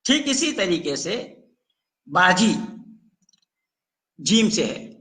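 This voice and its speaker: Combative high-voiced older man lecturing. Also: very animated, pushed and bright, low-quality recording. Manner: scolding, combative, spells out letters slowly. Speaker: religious debater. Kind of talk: heated lecture.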